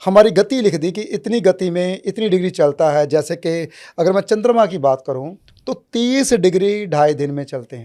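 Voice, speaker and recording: A dark, mellow tone with lively intonation comes through on a very clean recording with a silent background. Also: man. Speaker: astrologer. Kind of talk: interview.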